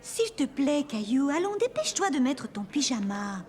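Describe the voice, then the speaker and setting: High, lively young babysitter. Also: female voice, moderate pace. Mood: coaxing. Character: friendly, coaxing young female babysitter. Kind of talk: French-language children's cartoon dialogue.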